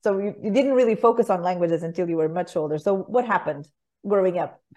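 Low, mellow-voiced woman hosting. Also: brisk, lo-fi sound. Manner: enthusiastic, laughs often. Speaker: podcast host. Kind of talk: interview podcast hosting.

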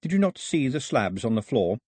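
A man's voice: mid-range voice, sing-song, a little fast, darkish tone, husky, dry recording, studio quality. Man playing a stubborn, sceptical young islander. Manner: blunt, challenging.

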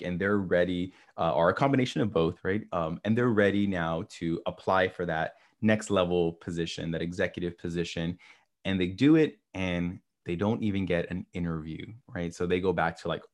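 A man with a deep voice hosting a career podcast. He talks in a loose, relaxed way, uses a lot of fillers, and often checks for agreement. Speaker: podcast host. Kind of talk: conversational interview hosting.

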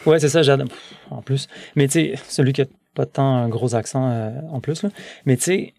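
Gravelly Québécois man, relaxed chat. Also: mid-range voice, moderate pace, dry recording. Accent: Québécois French. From born in France, raised in Quebec. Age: 30s. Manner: rambling, many restarts and fillers. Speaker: guest. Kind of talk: casual conversation.

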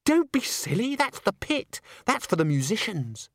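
A man's voice: sits high, sing-song, moderate pace, no room sound, clean studio sound, voice pushed up, exaggerated voice. A man voicing a giddy young woman of the stage in a storybook, gushing and trilling in a theatrical, romantic manner. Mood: gushing, grand. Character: giddy, breathless young female stage singer, grandly romantic.

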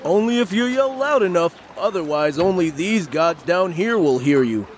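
Man playing a mocking idol keeper, high and swooping, sells his gods. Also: animated, moderate pace, slight background noise. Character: male idol keeper at a shrine, glib and mocking.

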